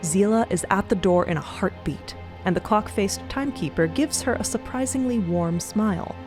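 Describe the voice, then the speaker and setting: A man's voice: high-pitched, moderate pace, music in the background. A man delivering scripted audio drama narration as one of the storytellers.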